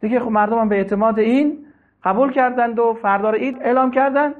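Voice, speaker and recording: A man giving a sermon on classical poetry, telling stories in an animated way and reciting verses slowly. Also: very high-pitched. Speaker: preacher teaching Rumi's Masnavi. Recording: tinny phone-like sound.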